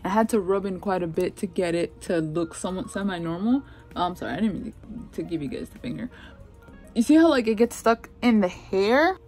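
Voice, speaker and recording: A woman's voice: medium pitch, expressive, brisk, a little mellow, faint music behind. Woman beauty vlogger, casual slangy review chat, mid-range voice. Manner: chatty, slangy, playful asides. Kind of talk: casual product review vlog.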